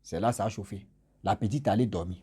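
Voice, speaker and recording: Husky, mellow-toned male storyteller. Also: on the low side, brisk. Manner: rambling, repeats phrases, addresses listeners directly. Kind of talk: casual spoken retelling of a spooky tale.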